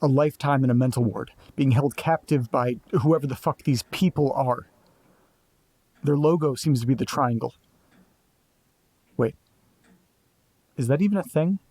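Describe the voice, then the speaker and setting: An actor playing a restless, sardonic young man in an audio drama, who keeps piecing clues together out loud. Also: mid-range voice, no room sound, natural voice. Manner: sardonic, restless, quick to jump to conclusions. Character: Nate, anxious young man chasing a mystery.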